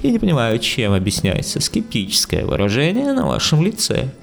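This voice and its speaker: A man voicing a boastful, roguish talking black cat in an audiobook, with a high, squeaky, wheedling theatrical whine. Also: huge pitch swings, fairly quick, gravelly. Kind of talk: audiobook character voice.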